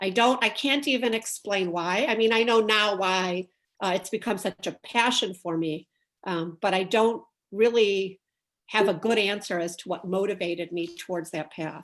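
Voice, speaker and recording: Someone with an American accent and a normal speaking voice talks at a moderate pace with ordinary pitch variation. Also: woman, medium pitch for a woman. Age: 60s. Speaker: criminal defense attorney. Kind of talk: interview. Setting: video call.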